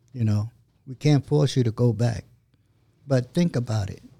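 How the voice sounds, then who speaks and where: A man with a dark, mellow tone and a somewhat breathy voice speaks at a moderate pace. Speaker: podcaster. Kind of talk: casual chat.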